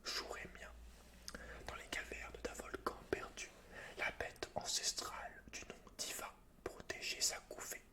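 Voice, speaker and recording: Guy whispering for asmr gaming, all breathy and soft, no real voice in it, talks close and casual like to a friend. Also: measured pace. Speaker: ASMR gaming video host. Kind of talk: whispered ASMR, chatting and reading game lore aloud.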